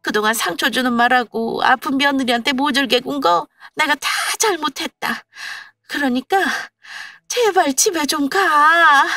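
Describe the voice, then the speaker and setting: A woman's voice: sits high, bright, forceful tone, dry recording, voice pushed up, heavily acted. A woman voicing a nagging, stubborn older mother-in-law who talks in a whiny, complaining way, in a storybook radio tale.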